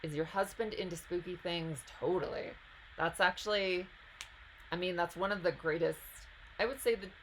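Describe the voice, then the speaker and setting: A woman's voice: deep voice, gravelly, slight background noise, poor audio. A woman hosting a live stream, reading out viewer questions and answering them in a chatty, casual way.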